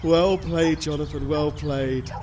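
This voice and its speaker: A man's voice: on the high side, fairly even intonation, takes it slowly, a little mellow, slight background noise. A man playing a chummy, wry trained observer in an amateur audio drama, talking in a slangy, friendly way. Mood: wry, teasing.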